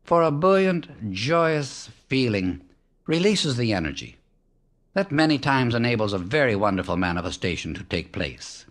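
A man reading a spiritual book aloud as an audiobook narrator, in a measured, emphatic way that slows down on key words. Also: mid-range voice, big pitch swings. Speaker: audiobook reader. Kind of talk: solemn scripted reading of spiritual teachings.

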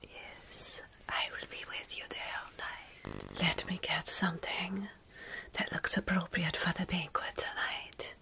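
A woman in her thirties playing a motherly, protective vampire mentor in a soothing, breathy whispered ASMR roleplay, with formal phrasing. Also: fairly low pitch, fairly even intonation, a little slow, bright, forceful tone. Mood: soothing, reassuring.

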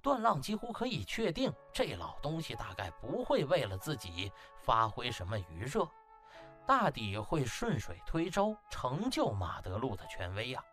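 A man's voice: mid-range voice, wildly swooping pitch, moderate pace, fairly bright tone, faint music behind. A man narrating an audiobook as dramatic scripted storytelling, in a theatrical, emphatic manner.

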